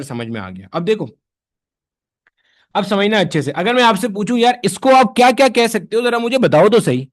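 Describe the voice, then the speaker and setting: High-voiced man teaching physics. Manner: conversational, answers his own questions in students' voices. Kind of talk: classroom lecture.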